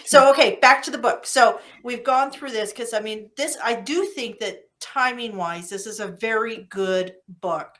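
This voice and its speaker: A woman's voice: a little high, moderate pace, hardly any pauses, a bit bright. Enthusiastic American woman podcast host. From United States. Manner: enthusiastic, chatty. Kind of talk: podcast interview.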